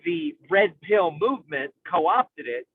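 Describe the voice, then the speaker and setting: A man in an analytical, conversational film discussion, speaking in an intellectual, halting way with academic vocabulary as he searches for words. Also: high-pitched, big pitch swings, breathy edge. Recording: tinny phone-like radio-style sound.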